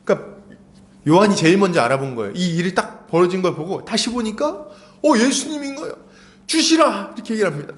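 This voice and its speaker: Lively Korean pastor telling a story. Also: male voice, high-pitched, rapid-fire. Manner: animated storytelling, acting out quoted lines. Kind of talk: sermon.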